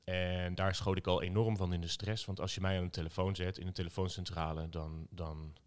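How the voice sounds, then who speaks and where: Dutch man, very low voice, smooth, hesitant, lots of ums, candidate at a table talk. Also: level tone, brisk. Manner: hesitant, many fillers and restarts. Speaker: political candidate. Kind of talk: casual panel talk.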